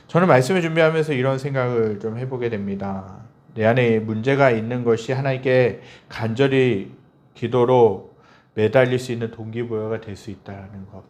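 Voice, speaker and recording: A man's voice: moderate pace, darkish tone. A male pastor preaching a Sunday sermon, asking the congregation questions and acting out prayers in a lifted voice. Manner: acts out prayers and quoted speech with a lifted pitch; asks the congregation rhetorical questions.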